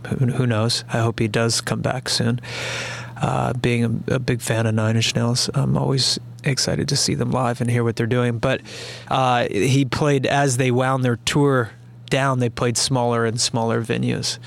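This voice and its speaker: A man's voice: medium pitch, level tone, unhurried, creaky. A man guest-hosting a radio show, chatting casually about music with many fillers and restarts. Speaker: radio guest host, band member.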